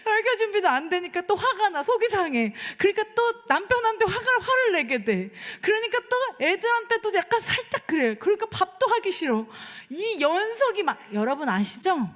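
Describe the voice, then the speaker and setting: A woman's voice: extremely high pitch, very animated, normal speed, few pauses, fairly bright tone. A middle-aged woman pastor preaching a sermon in a chatty, storytelling way, often asking the congregation for agreement. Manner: conversational, asks the congregation for agreement, acts out dialogue. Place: church sanctuary. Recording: long church reverb.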